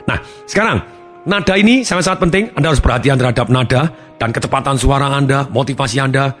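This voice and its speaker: A man's voice: medium pitch, fast talker, fairly bright tone. A man giving a motivational seminar talk, speaking emphatically and acting out different tones of voice to make his points. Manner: emphatic, acts out tones of voice to demonstrate. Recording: long hall reverb, faint music behind.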